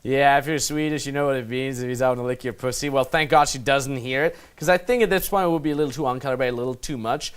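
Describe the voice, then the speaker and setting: A man's voice: medium pitch, fast, hardly any pauses. A young Austrian man with an Austrian accent, a dating coach talking brashly and profanely while breaking down his street conversations, laughing often.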